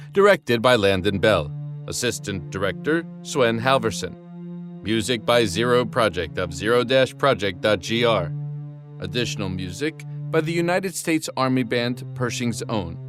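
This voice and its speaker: A man with a low voice acts as credits announcer. He reads a scripted announcement for an audio drama, with music playing behind him. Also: a bit bright.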